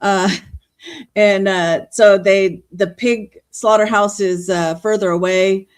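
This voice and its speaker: A woman's voice: mid-range voice, steady tone, slow, clear, resonant tone. A middle-aged woman from California, a guest on a livestream, chatting casually with lots of fillers and frequent laughs. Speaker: guest panelist.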